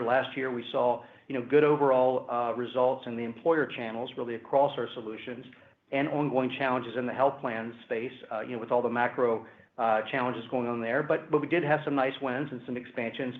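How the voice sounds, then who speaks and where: A man speaking as a company executive, giving measured, hedging answers on an earnings call. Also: mid-range voice. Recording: roomy, phone-like conference call line.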